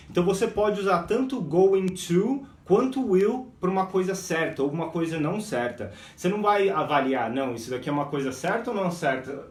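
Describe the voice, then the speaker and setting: A lively Brazilian man teaching English on a live stream, his voice sitting a little higher than most men's. He keeps saying "guys" and slows right down to spell out example phrases. The sound is roomy and echoey, and he seems to stand back from the mic. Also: far from the mic. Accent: Brazilian Portuguese. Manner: energetic, repeats "guys", drills example phrases slowly. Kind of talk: live online English lesson.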